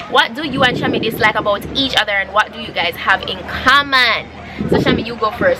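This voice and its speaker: A woman at a fairly quick pace with ordinary pitch variation and big swings in loudness, over music in the background. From Jamaica. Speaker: vlogger. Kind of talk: casual Q&A vlog. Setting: outdoors in public.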